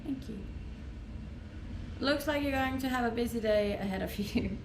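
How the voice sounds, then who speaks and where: A woman's voice: on the high side, normal speed, background noise. A woman with a Danish accent, chatting easily on a livestream from her rented home, reading out and answering viewer comments and laughing often. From Denmark. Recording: roomy echo.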